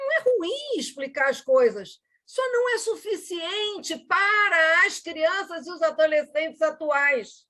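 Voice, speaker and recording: This woman's voice sits extremely high, with a bright, sharp tone. She speaks at a very slow pace, her pitch swinging very widely. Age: 60s. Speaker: family therapist, speaker. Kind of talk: lecture.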